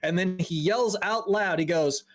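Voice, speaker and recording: A man with a somewhat high voice running a tabletop game as game master. He narrates scenes in a loose, casual way, full of fillers. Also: a little slow.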